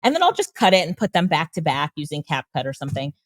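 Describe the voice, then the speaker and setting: A woman's voice: deep voice, big pitch swings, fast talker, no room sound. A woman guest on an interview show, explaining tools with enthusiasm and frequent laughs. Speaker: guest, AI trainer and consultant. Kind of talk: casual interview talk.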